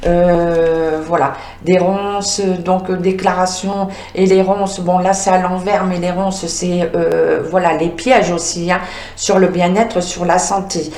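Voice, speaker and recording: A woman's voice: on the low side, flat delivery, a little mellow. Woman medium reading cards in an echoey room. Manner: halting, many filler sounds, talks to the cards. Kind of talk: spoken card reading with visions.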